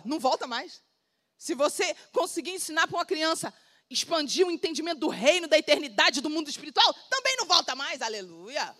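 Animated high-voiced Brazilian woman preaching. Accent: Brazilian Portuguese. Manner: emphatic, repetitive, animated preaching. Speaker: pastor. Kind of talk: sermon.

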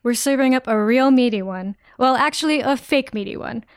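A woman's voice: high voice, fairly quick, smooth, no echo, clean studio sound. A woman from Canada, a reporter, chatting playfully on a podcast and reading narration. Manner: animated, playful storyteller. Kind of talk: casual chat and scripted narration.

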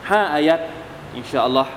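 A man teaching a weekly Quran exegesis class, explaining calmly and politely in a mosque hall. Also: brisk. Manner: calm, polite explaining with frequent soft tag words. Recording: echoey mosque hall, faint background noise.

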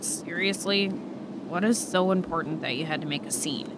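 A woman's voice: moderate pace, lightly acted. A woman acting a guarded, skeptical older sister in an audio drama, terse and blunt. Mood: disbelieving. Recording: noisy ambience, vehicle rumble behind.

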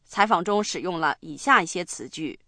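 A woman hosting a radio language lesson, explaining slowly and spelling words out one letter at a time. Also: lowish voice, pushed and bright, dry recording, studio quality. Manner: slow, deliberate explaining and spelling. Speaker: language program host. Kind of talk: bilingual lesson narration.

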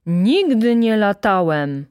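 A woman's voice: deep voice, lively intonation, a little slow, no room sound, clean studio sound. A woman voicing a stern, indignant old male shop manager in an audiobook, scolding with heavy emphasis. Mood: outraged.

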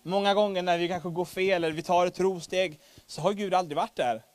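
A man preaching a sermon, animated and humorous, rising to loud emphasis. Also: sits high, no room sound.

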